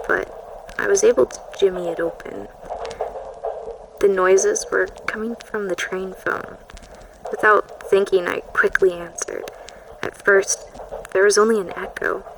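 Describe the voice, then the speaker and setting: An actress playing an uneasy woman recording a haunted account for an audio drama, measured and hushed. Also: medium pitch, creaky, noisy background. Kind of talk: audio drama monologue, tape diary.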